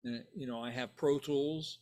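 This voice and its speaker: A man's voice: medium pitch, steady tone, normal speed, darkish tone. An older man whose first language is Italian, telling stories in a casual interview and rambling with lots of "you know" and "right?". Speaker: bassist guest.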